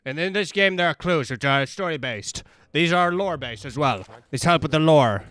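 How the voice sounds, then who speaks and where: A man giving casual gameplay commentary in a rambling, irreverent, animated way. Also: on the high side, normal speed, no room sound. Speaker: video game streamer.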